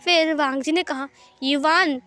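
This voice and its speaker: A woman's voice: high-pitched, fairly even intonation, normal speed, a bit bright. A woman casually narrating a fan-fiction story. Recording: faint background music.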